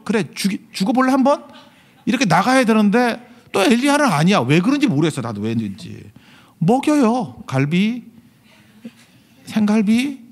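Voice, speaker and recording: Animated male pastor preaching. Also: high voice. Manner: animated, joking, mimics biblical figures. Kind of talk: sermon.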